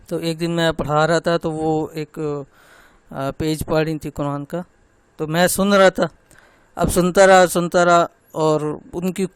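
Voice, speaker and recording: A man teaching Quran recitation, slowly spelling out syllables and pointing out common mistakes. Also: on the high side, clean tone, dry recording. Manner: slow, drawn-out demonstration of syllables, then gentle personal talk. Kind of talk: online tajweed lesson.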